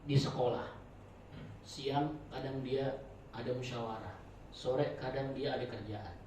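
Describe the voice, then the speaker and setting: A man teaching a religious study circle in a chatty, joking sermon style, swinging between loud and soft. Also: medium pitch, steady tone, unhurried, slight background noise. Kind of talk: informal sermon. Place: prayer room. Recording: very echoey room, voice from far off.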